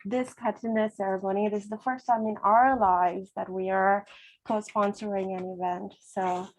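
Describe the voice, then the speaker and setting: A woman from Sri Lanka speaks at a ceremony, thanking everyone with a voice of ordinary, middle height. She sounds moved and grateful, slipping in soft laughs between her words. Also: mid-range voice, flat delivery, moderate pace. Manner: emotional, laughing softly, grateful. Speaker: event co-sponsor. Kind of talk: heartfelt speech at a ceremony.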